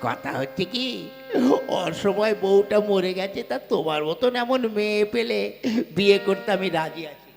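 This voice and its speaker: A man's voice: high-pitched, lively intonation, normal speed, vocal fry. A man voicing a hard-of-hearing old village man who wants to remarry, in a puppet show comedy with folk music behind. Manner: loud, squabbling, mishears everything.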